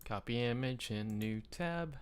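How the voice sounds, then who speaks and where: Man, show host, clean resonant voice, medium pitch, casual explanations, enthusiastic, conversational. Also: lively intonation, a little slow, clean tone.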